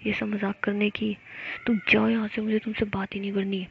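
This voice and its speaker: A woman voicing a sassy, touchy young woman lover in a whispered role-play, coy and sulky in a soft whisper. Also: mid-range voice, fairly even intonation, normal speed, creaky, lo-fi sound, a little hiss or hum, natural voice. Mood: offended.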